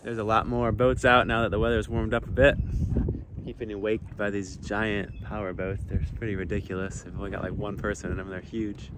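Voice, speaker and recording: A man in his thirties with a fairly low voice talks easily to his phone camera while sailing, letting his thoughts wander from one topic to the next. He is outdoors on the deck of a small boat, and wind and water noise run clearly behind him. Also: fairly quick. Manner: relaxed, thinking aloud, drifting between topics. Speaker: sailing vlogger. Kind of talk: casual vlog narration. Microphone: phone camera held at arm's length.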